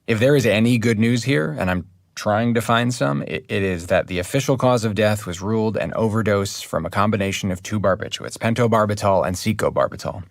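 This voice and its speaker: True crime podcast reporter, earnest and reflective, kinda low voice, very dry sound. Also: male voice, creaky, no room sound. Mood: sober, reflective. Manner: measured, reflective, sober.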